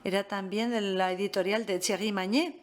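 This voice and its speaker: Woman, mid-pitched, measured lecturer who pauses a lot. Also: fairly even intonation. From France. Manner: measured, pauses often with fillers. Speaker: guest lecturer. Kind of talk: master class talk.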